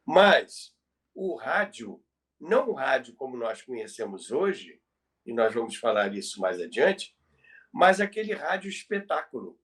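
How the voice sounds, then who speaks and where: A man's voice: mid-range voice, sing-song, unhurried, fairly bright tone. An older Brazilian man co-hosting a conversational talk on history, explaining in an emphatic, didactic way and repeating phrases. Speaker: co-host, former radio professional. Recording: distant from the microphone.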